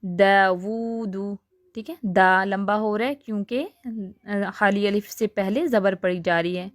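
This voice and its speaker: A woman teaching a recitation lesson, patiently explaining rules and slowly drawing out example sounds. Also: medium pitch, dry recording, clean studio sound. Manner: patient, repeats "theek hai" to check understanding.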